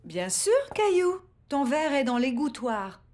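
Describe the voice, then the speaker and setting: A woman voicing a kindly, playful mother in a French-dubbed preschool cartoon, expressive and gentle. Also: sits high, a little slow, soft background music. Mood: cheerful.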